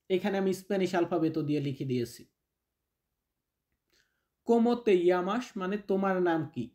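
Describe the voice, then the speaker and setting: A man teaching phrases slowly, saying each one twice and then explaining it. His first language is Bengali. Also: high voice, a little mellow. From Bangladesh. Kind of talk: slow spoken language lesson.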